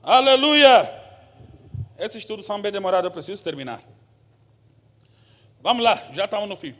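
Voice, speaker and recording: High, bright-voiced pastor. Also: male voice, expressive, fast. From Angola. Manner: conversational teaching that builds to forceful preaching, with rhetorical questions. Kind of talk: Bible teaching sermon.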